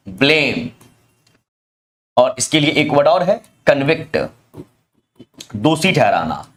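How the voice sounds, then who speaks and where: Male tutor, animated and fairly high voice, reads words slowly and spells them out. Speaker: English teacher. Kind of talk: exam-prep lesson.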